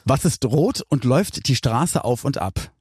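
A middle-aged man chatting as a podcast guest, jokey and animated, laughing at his own jokes. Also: medium pitch, a little slow, a little hiss or hum. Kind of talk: casual chat.

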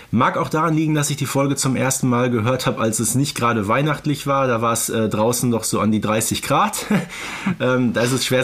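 A man's voice: mid-range voice, a bit bright. A man co-hosting a podcast and talking through a review conversationally. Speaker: podcast co-host. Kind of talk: casual review chat about audio drama episodes.

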